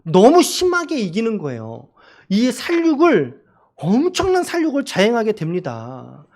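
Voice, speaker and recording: A male pastor delivers a Sunday sermon with a lively, animated voice that rises and falls freely. He speaks to the congregation conversationally, pausing to ask them questions. He slips into acted-out dialogue as he tells the story. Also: high voice. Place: church service.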